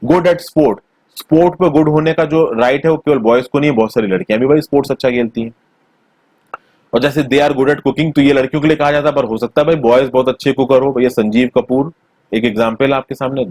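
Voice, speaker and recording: A man's voice: medium pitch, a little fast, darkish tone, no room sound. Man explaining a textbook lesson. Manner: conversational, mixes Hindi with English terms. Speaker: teacher.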